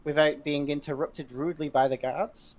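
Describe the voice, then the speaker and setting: A man's voice: a little high, steady tone, moderate pace. A man playing a tabletop game, chatting casually in an eager way and stumbling over words. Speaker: player.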